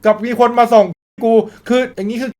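A man's voice: very high voice, fairly even intonation, a little fast, a little mellow. A man commenting on a horror video game in a joking, crude way, reading the characters' lines aloud and yelping when startled. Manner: jokey, crude, reads out in-game dialogue, yelps when startled. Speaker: gaming YouTuber.

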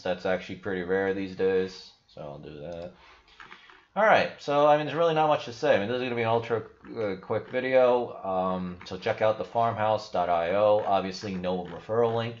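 Youngish guy with a lowish voice rambling about his screen, lots of "like" and "you know", muffled webcam sound. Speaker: crypto video host. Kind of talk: casual screen-share commentary. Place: small indoor room.

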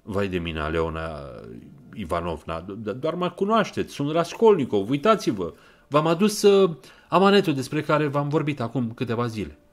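A man's voice: lowish voice, big pitch swings, few pauses, pitched above the performer's own voice. A man voicing a pale, nervous young man who stammers in an audiobook. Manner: stammering, voice cracking, then snapping.

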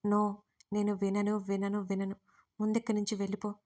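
A woman narrator voicing a hurt young woman who shouts angrily through tears in an audio story. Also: mid-range voice, monotone, moderate pace, close to an everyday voice. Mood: tearful angry.

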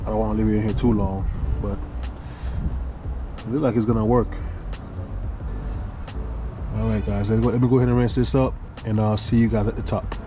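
A man's voice: lowish voice, flat delivery, quick pace, over music. A man vlogging casually while he works outdoors, with a laid-back, colloquial way of thinking aloud. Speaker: pressure washing business owner and vlogger. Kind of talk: casual talk to camera while working. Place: outdoors beside a work truck. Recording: noisy outdoor recording with vehicle ambience.

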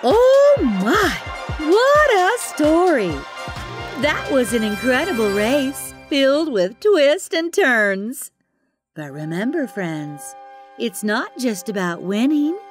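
Woman doing friendly cartoon storytime host for little kids, perky n exclamatory, highish voice, music behind. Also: big pitch swings, takes it slowly. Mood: cheerful. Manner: exclamatory, addresses young listeners. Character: perky, friendly female storyteller and race announcer. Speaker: host and narrator. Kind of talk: children's animated storytelling.

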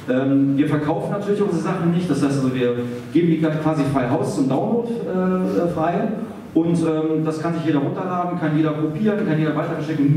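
A man makes an informal stage announcement in a rambling, self-deprecating way. His voice is somewhat high for a man. The sound is distant and heavily echoed. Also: mellow. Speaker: radio play group member addressing audience. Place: live on a theatre stage. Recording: echoey stage, distant microphone, faint noise.

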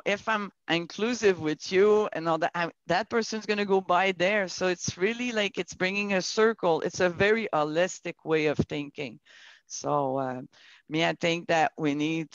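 A woman's voice: low voice, dry recording, highs cut off. A woman speaking earnestly as a business panelist on a video call, often restarting as she searches for words.

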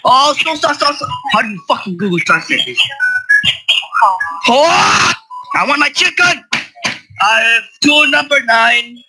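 A man making prank calls on a group voice chat, talking casually in a crude, halting way full of swearing. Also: extremely high pitch, lively intonation, over loud music, low-quality recording. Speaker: prank caller. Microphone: computer mic on an online voice call.

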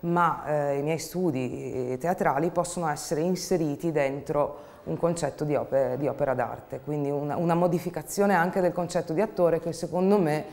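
A woman, speaking reflectively and pausing to find words as she explains her artistic work in an interview. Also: low voice, a little mellow. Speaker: actress and theatre group co-founder. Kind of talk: interview monologue about own artistic work. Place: dark indoor studio, seated.

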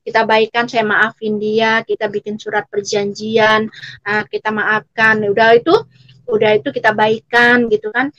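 A woman's voice: on the high side, expressive, moderate pace, a bit bright, dry recording, highs cut off. A middle-aged woman from Riau in Indonesia tells her personal testimony and repeats phrases again and again as she goes. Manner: repeats phrases over and over while telling her story. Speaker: guest giving a personal testimony.

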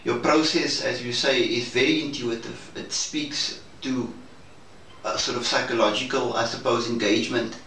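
A man speaking in a measured, hesitant and formal way in a reflective debrief conversation. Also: mid-range voice, fairly even intonation, pushed and bright. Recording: roomy, distant mic, faint noise.

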